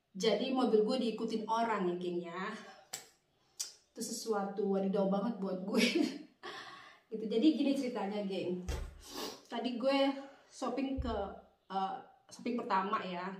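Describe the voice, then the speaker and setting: A young adult woman from Indonesia tells her viewers a story in a loose, chatty vlog style, tagging her sentences with filler phrases. Her voice sits a little high. She is a bit away from the mic in an echoey room. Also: darkish tone, recorded from a distance. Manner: chatty, addresses viewers as "geng", many "gitu kan" tags. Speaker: vlogger. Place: Bavaria, Germany.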